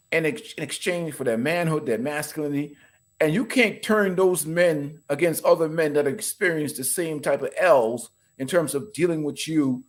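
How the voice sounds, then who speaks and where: Bahamian-born male podcast guest, raised voice, lively swinging delivery, emphatic and opinionated. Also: on the high side. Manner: emphatic, animated, laughs while talking. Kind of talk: casual opinionated podcast talk.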